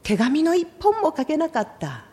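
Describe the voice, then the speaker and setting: A middle-aged woman preaching a sermon in an expressive storytelling way, often acting out the lines she quotes. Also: high-pitched, moderate pace.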